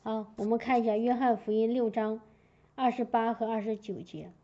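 A woman preaching a sermon in a lively storytelling way, checking in often with her listeners. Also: fairly high pitch, normal speed. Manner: lively storytelling with frequent "明白我的意思吧" asides. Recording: dull lo-fi recording.

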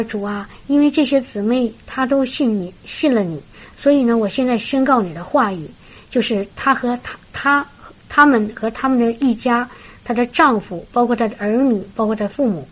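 A woman voicing a calm, patient middle-aged male pastor who prays in a measured way and asks gentle questions. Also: very high-pitched, rough recording.

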